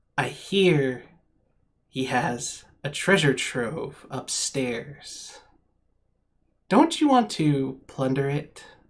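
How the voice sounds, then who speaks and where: A put-on character voice at a low-to-middle pitch, very slow, with long, frequent pauses. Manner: devilish, tempting.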